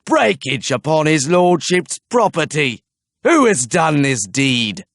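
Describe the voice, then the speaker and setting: A man's voice: mid-range voice, lively intonation, takes it slowly, creaky, fairly bright tone, no echo, full character voice. A man voicing a pompous, mocking chief archer who gives commands with cold, sneering relish. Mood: commanding.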